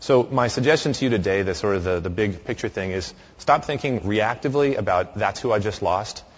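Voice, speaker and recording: A man's voice: fairly low pitch, a little fast, dull audio. A man in his thirties giving a conversational conference talk in a large hall, with frequent fillers and restarts. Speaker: conference speaker.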